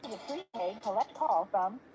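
A woman's recorded operator message for a prison collect call, played over a payphone line and announced in even, scripted prompts. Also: mid-range voice, measured pace, a little hiss or hum. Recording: dull, muffled phone-line recording.

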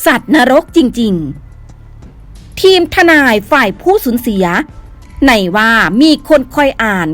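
A woman narrates news commentary in a high, lively voice, scornful and condemning. Faint music plays behind her. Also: slow pace.

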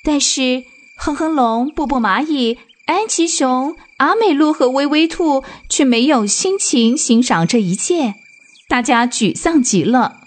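A woman narrating a children's radio drama in an expressive storytelling manner. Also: sits high, unhurried.

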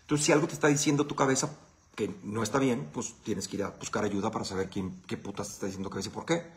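A man's voice: on the low side, steady tone, quick pace. A man with a Mexican Spanish accent hosting a casual live Q&A. He answers viewer questions in a blunt, profane, conversational way.

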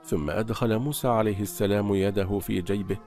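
Low-voiced male storyteller, solemn. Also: steady tone, fast talker. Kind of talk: scripted religious story narration. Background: soft background music.

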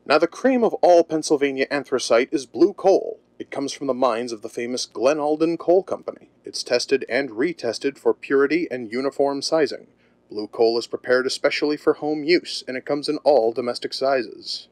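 A man as a radio announcer reading a polished, emphatic sales pitch in 1930s commercial style. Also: a little mellow, dry recording.

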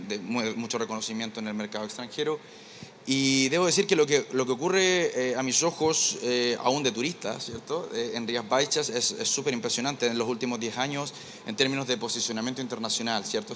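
A man's voice: mid-range voice, fairly bright tone, slight background noise. A man in his thirties with a Chilean accent, answering questions on stage in a large fair hall through a handheld mic, hesitant and full of fillers. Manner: hesitant, repeats words, many fillers. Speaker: winemaker guest. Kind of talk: live stage interview. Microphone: handheld microphone.

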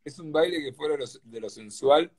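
A man's voice: on the high side, fairly quick, a crowd in the background. A man joins a live video call from his phone and talks with enthusiasm about something he loves. He is eating as he speaks, so his words come out a bit muffled. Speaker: guest. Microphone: phone camera on a video call.

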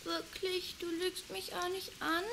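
A woman's voice: very high-pitched, little pitch movement, measured pace, bright, forceful tone, exaggerated voice. A woman voicing a frightened, tired nine-year-old girl lost in the street, speaking timidly and pleading. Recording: rain noise behind.

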